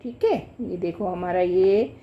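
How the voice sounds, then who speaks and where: Speaking low and unhurriedly, a woman leads a classroom grammar lesson at a board, explaining each step patiently and repetitively while frequently asking "thik hai". The sound is dull and lo-fi, with slight background noise.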